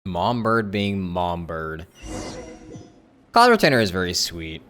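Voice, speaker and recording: Streamer with lively, swinging pitch. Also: slow pace, a little hiss or hum. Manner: musing aloud, reacting to the game. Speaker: game streamer. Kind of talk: casual live-stream game commentary. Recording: faint game music behind.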